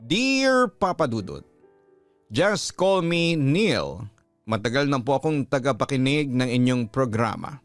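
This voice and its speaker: A Filipino man working as a storytelling host, reading a scripted first-person letter in a measured, earnest way. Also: medium pitch, big pitch swings. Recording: music playing behind the voice. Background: background music.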